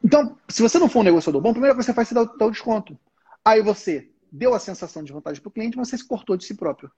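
A high-pitched, slightly husky man teaches on a casual live stream, talking straight to his viewers and acting out bits of a salesman's pitch. He speaks into a headset, and the audio comes through a little dull and lo-fi. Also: animated, racing, warm tone. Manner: informal, addresses the audience directly, acts out salesman dialogue.

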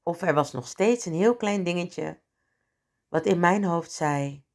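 Gravelly low-voiced woman telling a story. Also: measured pace. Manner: candid, emotional, acts out inner voices. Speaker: podcast host. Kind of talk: personal storytelling monologue.

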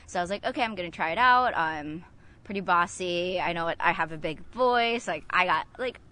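A woman's voice: fairly low pitch, fairly quick, sharp tone. A young woman who coxes a college rowing team, answering interview questions with lots of fillers. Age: young adult. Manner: lots of um fillers, chatty and upbeat.

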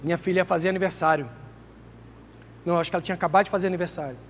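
A man's voice: high voice, steady tone, racing. A man preaching a sermon in a conversational, emphatic way, often calling out to his listeners. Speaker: pastor. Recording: long hall reverb, faint background noise.

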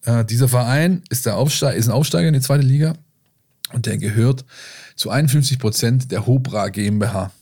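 A man's voice: medium pitch, a little fast, a little mellow. A man co-hosting a football podcast, explaining things in a casual, colloquial way. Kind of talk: casual football talk and analysis.

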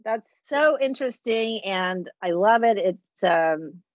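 A woman's voice: medium pitch, lively intonation, slow pace, no room sound, lo-fi sound. A woman from the southern United States hosting a conversational interview, chatty and affirming. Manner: chatty, affirming, frequent "right".

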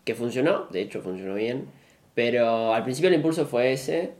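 A man's voice: mid-range voice, expressive, moderate pace, darkish tone. A man talking casually as an interviewee, reflective and a little self-deprecating. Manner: reflective, self-deprecating, uses "súper" and "o sea". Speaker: interviewee, dancer. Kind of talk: casual conversation.

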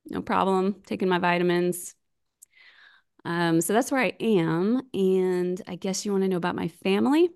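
An American woman in her forties, chatting casually as a podcast guest over a video call, self-deprecating and quick to laugh. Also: fairly low pitch, darkish tone, clean tone. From United States. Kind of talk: casual remote interview chat.

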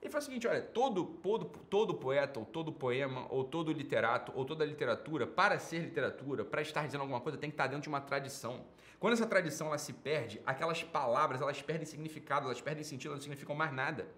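A man's voice: fairly high pitch, very fast, fairly bright tone. A Brazilian man giving informal, off-the-cuff commentary as a program host, opinionated and emphatic, with repetition and slangy, profane wording.

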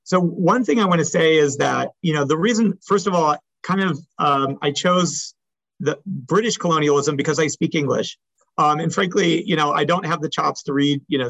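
A man's voice: fairly high pitch, gravelly, a bit bright, no echo, poor audio. A man speaking as an academic, answering audience questions after a talk in an explanatory, hedging way that often checks in with the listeners.

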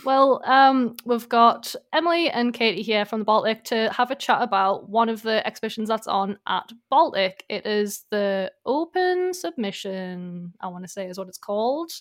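Bubbly higher-voiced woman host. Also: animated, normal speed, few pauses. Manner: bubbly, laughs often. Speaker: podcast host. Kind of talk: casual chat.

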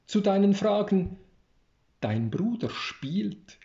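A man reading the lines of a brisk, motherly old housekeeper woman in a storybook reading, in a roomy, slightly dull recording. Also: sits high, sing-song, creaky, mellow, pitched above the performer's own voice, full character voice. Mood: scolding.

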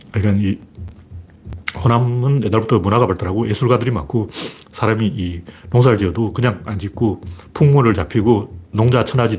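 A man's voice: fairly low pitch, darkish tone, slightly rough. A man giving a casual, rambling commentary monologue in a blunt, opinionated way with folksy asides.

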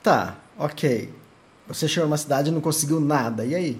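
A woman's voice: low-pitched, fairly quick, a little mellow. A woman interviewing a traveler with short, teasing questions. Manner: brief prompting questions, teasing. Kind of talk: casual interview.

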